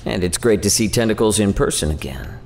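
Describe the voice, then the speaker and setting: A man's voice: lowish voice, animated, fairly quick. A man playing a flippant, sardonic envoy of an otherworldly faerie court in an audio drama, with a casual, taunting drawl. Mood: mocking, casual.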